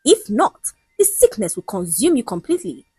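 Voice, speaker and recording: A woman's voice: medium pitch, very animated, normal speed, dark tone, husky, no echo, soft background music. A woman voicing a greedy woman pastor who talks in a preachy, demanding way.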